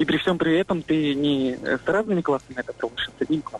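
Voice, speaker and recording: A man's fairly high, normal speaking voice with lively intonation. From Udmurtia, Russia (rural village). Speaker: primary school teacher. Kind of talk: radio interview.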